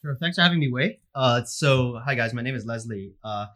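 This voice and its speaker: A man's voice: medium pitch, brisk. A man in his forties from Hong Kong, a guest on a podcast. He answers casually with many "uh"s and frequent chuckles. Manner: relaxed, many "uh" fillers, chuckles often. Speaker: podcast guest, finance professional.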